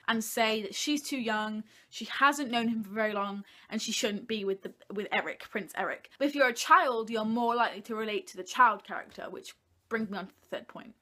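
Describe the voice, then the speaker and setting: A woman's voice: fairly high pitch, bright, forceful tone. A young woman, a video blogger, talking casually and informally to her viewers. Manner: informal, chatty. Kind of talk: casual talk to viewers, list format.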